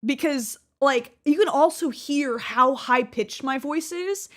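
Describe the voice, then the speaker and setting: Twenties woman, high voice, chatty YouTuber, lots of restarts and laughs. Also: slow pace, fairly bright tone. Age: 20s. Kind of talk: casual commentary over her old gameplay video.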